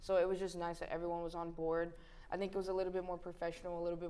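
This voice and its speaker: Talking very fast in a flat monotone, a woman with a fairly low voice is heard with audible room echo and noticeable background noise. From Brazil. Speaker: actress. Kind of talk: interview. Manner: casual, filler-heavy.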